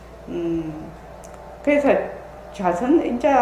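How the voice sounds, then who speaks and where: A woman's voice makes very wide pitch swings through noticeable background noise and audible room echo. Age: 60s. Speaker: Zen meditation center head teacher. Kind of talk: dharma talk. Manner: measured, with many filler sounds.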